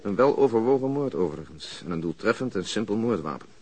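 A man's voice: on the low side, lively intonation, fast, darkish tone, natural voice. An actor playing a dry, methodical male police investigator in a radio drama, reporting in a clipped, matter-of-fact way. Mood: dry, factual.

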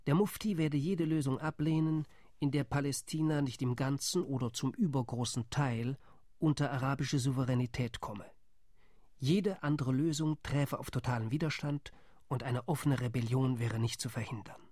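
An actor playing a wary male Arab delegate who reports gravely in a radio drama monologue. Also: medium pitch, fairly even intonation, moderate pace, darkish tone, no room sound, clean studio sound, natural voice. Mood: reporting. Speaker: Arab Higher Committee delegate.

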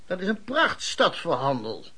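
An actor in a Dutch radio play playing a slick, patronising con man with a husky, persuasive patter. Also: high voice, wildly swooping pitch, normal speed, pushed and bright, full character voice. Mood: coaxing. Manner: persuasive, boastful, condescending. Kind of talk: Dutch radio drama acting.

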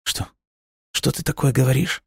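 Man putting on a high, tearful young girl. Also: animated, normal speed, a little mellow, no echo, clean studio sound. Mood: desperate, pleading. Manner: pleading, tearful, raised voice.

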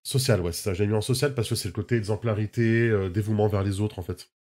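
A man's voice: fairly low pitch, steady tone, fast talker, a little mellow. A man playing a tabletop role-playing game, describing his actions in casual, hesitant chat.

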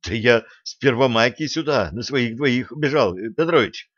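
A man's voice: mid-range voice, animated, normal speed, a bit bright, dry recording. A sheepish young martial arts student speaks in a subdued, mumbling way, voiced by a male reader. The recording is dry and a bit dull. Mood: apologetic.

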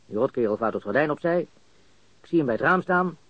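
An actor playing a baffled, cocky and coarse murder suspect in a radio crime drama, stammering and repeating words. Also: male voice, medium pitch, expressive, fast, fairly bright tone, no echo. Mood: tense, brooding. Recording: dull, lo-fi radio recording.

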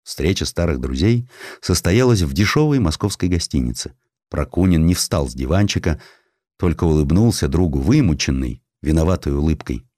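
A man reading a historical story as an audiobook narrator, in an expressive, dramatic literary style. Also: very deep voice, normal speed, no echo. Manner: expressive, acting out quoted dialogue.

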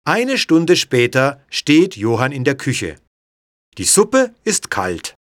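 Slow, lively-toned male narrator. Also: mid-range voice, dry recording, clean studio sound. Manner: clear, measured reading. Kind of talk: scripted audiobook narration.

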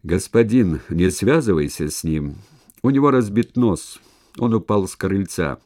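A man's voice: low voice, lively intonation, darkish tone, pitched above the performer's own voice. A man voicing a tall stuttering man past middle age who stumbles over his words, in an audiobook. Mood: stammering. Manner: heavy stutter, slow halting speech.

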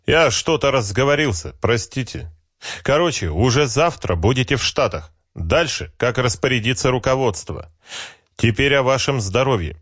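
A man voicing a cheerful, heavy-set older army officer who says each word slowly and deliberately. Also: mid-range voice, expressive, fairly bright tone, no echo, clean studio sound. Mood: cordial, businesslike. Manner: friendly, brisk, matter-of-fact.

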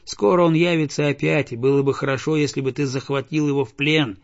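A man's voice: a little high, fairly quick, gravelly. A man voicing a small, brave, clever boy who speaks eagerly. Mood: earnest. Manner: lively, bold, sometimes hushed. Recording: dull lo-fi recording.

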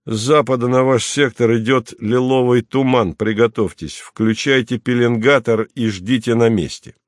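A man voicing a stern male commander who speaks quietly and coldly in an even voice. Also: medium pitch, normal speed, dry recording, clean studio sound, natural voice. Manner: quiet, flat, cold.

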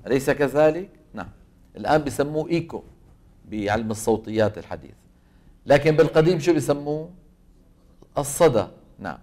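A man's voice: on the high side, a little mellow. A man with a Levantine Arabic accent teaching a tajweed class. He asks his students questions, answers them himself, and says the sounds aloud to show them. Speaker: Quran recitation teacher.

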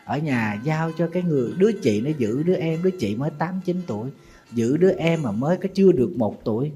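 A Buddhist monk with a Southern Vietnamese accent tells a sorrowful story as a sermon, his voice sitting a little high for a man. He talks straight to his listeners in a slow, grieving way. Soft music plays faintly underneath. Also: animated. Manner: mournful storytelling, calls himself teacher and addresses listeners directly.

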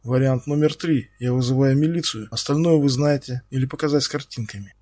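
A man voicing a wealthy middle-aged boss with a cold, mocking, unhurried manner. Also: medium pitch, mellow, dry recording, studio quality, close to an everyday voice. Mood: sardonic. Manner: sardonic, unhurried.

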